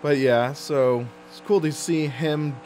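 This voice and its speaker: A man with a hoarse voice casually narrating a sim racing live stream, thinking aloud as he goes. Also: a little high, fairly even intonation, slow pace, a little mellow, a little hiss or hum. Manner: chatty, thinks aloud while clicking menus.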